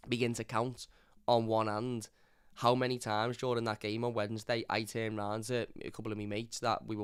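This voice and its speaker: A hoarse man, hosting a live fan review and ranting bluntly. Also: on the low side, a bit bright, dry recording, studio quality. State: hoarse from lost voice. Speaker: fan channel host. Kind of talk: live stream match review.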